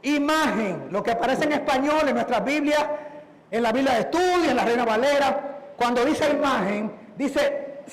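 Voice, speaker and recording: A man's voice: very high voice, moderate pace. A man preaching a sermon, emphatic, repeating key words and putting questions to the congregation. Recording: echoey hall.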